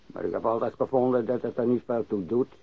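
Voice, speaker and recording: An actor playing a crusty old warehouse worker and ex-sailor who grumbles and rambles bluntly, in a radio drama. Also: male voice, mid-range voice, fairly quick, gravelly, husky, no room sound. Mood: grumbling, reminiscing. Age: older. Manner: grumbling, rambling, cursing, repeats himself. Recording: dry, dull lo-fi radio recording.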